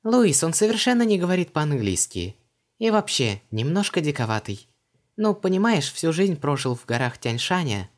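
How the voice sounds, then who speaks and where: A man's voice: big pitch swings, moderate pace. A man voicing a chirpy flustered young woman. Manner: high, bright, breathless.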